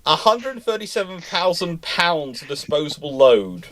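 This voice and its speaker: A man's voice: on the high side, big pitch swings, a little slow, a bit bright, a little hiss or hum. A man hosting a casual live discussion with technical commentary, emphatic and often repeating words as he thinks. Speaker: host of a live naval history discussion.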